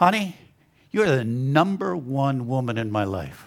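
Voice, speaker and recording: On a very clean recording with a silent background, a man with a fairly high pitch and vocal fry swings his pitch very widely. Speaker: pastor. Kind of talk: sermon. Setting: church. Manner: halting.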